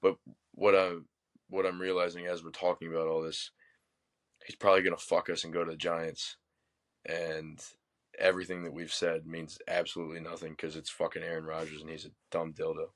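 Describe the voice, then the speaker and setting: A man with a very low voice, co-hosting a casual sports podcast. He is from Baltimore and talks bluntly, swearing freely and mocking with sarcasm. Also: monotone, fairly quick. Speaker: podcast co-host.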